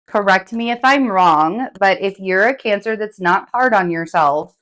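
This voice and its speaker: A hoarse woman giving a casual, chatty tarot forecast, rambling with many fillers as she recovers from laryngitis. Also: medium pitch, expressive, unhurried, fairly bright tone. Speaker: tarot reader.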